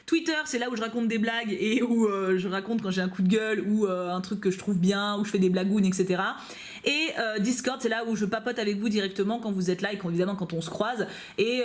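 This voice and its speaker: A woman YouTuber chatting casually to camera from her couch at home, bubbly and full of fillers and asides. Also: mid-range voice. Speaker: YouTuber reacting to fan mail. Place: at home on a couch, dog nearby.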